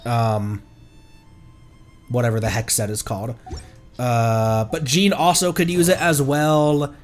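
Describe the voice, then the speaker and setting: A young man streaming a game in casual chat, congested and stuffed up, rambling with many ums and breaking into sudden excited outbursts. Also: medium pitch, slow, soft background music.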